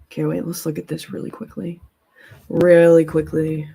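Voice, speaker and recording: Low-pitched and flat, her moderately paced voice carries vocal fry, a warm tone, and slight roughness. The blunt, informal streamer swears freely, rambles and thinks aloud, and mixes casual chat and commentary with reading viewer comments aloud.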